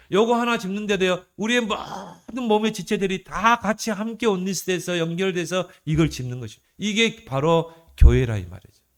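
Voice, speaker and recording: Male pastor, fairly high voice, conversational sermon with rhetorical questions. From South Korea. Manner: conversational preaching with rhetorical questions and shifting emphasis.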